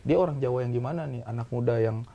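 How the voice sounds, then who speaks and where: A man talking as a film director, explaining his views with examples in a casual, animated way. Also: medium pitch, fast talker, creaky, dull audio. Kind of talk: casual discussion.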